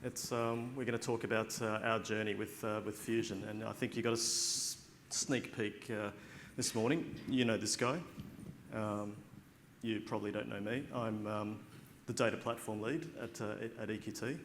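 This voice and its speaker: A man's voice: on the low side, fairly even intonation, normal speed, a little hiss or hum. An Australian man speaking at a tech conference, chatty and informal, with many fillers and restarts, on a stage microphone. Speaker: conference speaker, data platform lead. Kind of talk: conference talk.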